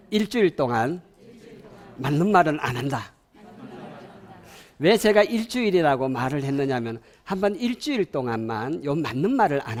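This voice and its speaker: Animated Gyeongsang-accented male lecturer. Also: on the high side. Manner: animated, asks the audience questions and has them repeat lines. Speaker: parenting lecturer. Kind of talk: public lecture to parents.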